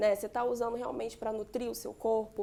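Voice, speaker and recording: A woman speaks with a Carioca accent. Her tone is dark and mellow. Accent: carioca accent with hissing 'chiado'. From Rio de Janeiro, Brazil. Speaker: psychiatrist. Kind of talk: TV interview.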